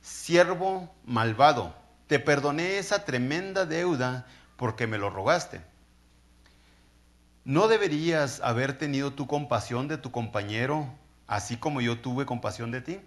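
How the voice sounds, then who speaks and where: A man voicing an angry king who scolds a servant in a forceful, rebuking tone. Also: medium pitch, animated, unhurried, lightly acted. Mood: stern.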